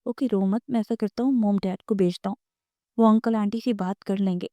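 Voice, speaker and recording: A woman's voice: medium pitch, fairly even intonation, dry recording, close to an everyday voice. Woman doing a stern, protective young man. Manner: stern, sharp scolding.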